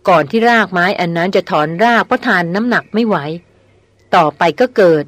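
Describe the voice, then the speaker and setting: A woman narrating a novel in a steady storytelling voice, voicing the characters' lines plainly. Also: mid-range voice, fairly quick, dry recording. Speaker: audiobook narrator.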